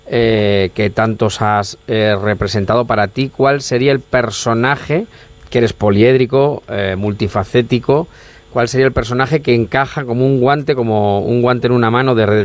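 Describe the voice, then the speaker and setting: A male radio interviewer with a somewhat low voice who sounds warmly admiring of his guest. He asks long, winding questions and restarts them as he goes. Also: normal speed.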